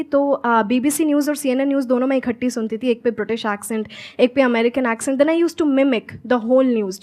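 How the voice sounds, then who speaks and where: A young woman in her twenties from Haryana, a motivational speaker and English teacher, talking on stage and mixing Hindi with slow, clear English phrases. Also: high-pitched. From Haryana, India. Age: 20s. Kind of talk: stage conversation with audience questions.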